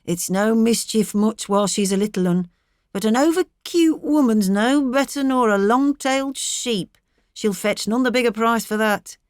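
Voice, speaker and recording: Woman reader doing a countryman father, blunt, forceful emphasis, opinionated, dry audiobook sound. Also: fairly high pitch, normal speed, no room sound, pitched above the performer's own voice, lightly acted. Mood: dubious.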